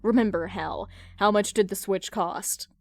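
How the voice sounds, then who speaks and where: A woman's voice: mid-range voice, no echo. Woman playing a stern, interrogating woman, dry recording. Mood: pointed. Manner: pointed, interrogating, deliberate. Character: stern, sharp-witted female friend cross-examining like a prosecutor.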